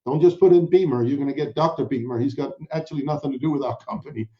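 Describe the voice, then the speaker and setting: A man's voice: mid-range voice, quick pace, highs cut off. A man from Denmark hosting a webinar, upbeat and chatty, talking straight to the audience and introducing a guest. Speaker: webinar host. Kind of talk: presenting a sales webinar.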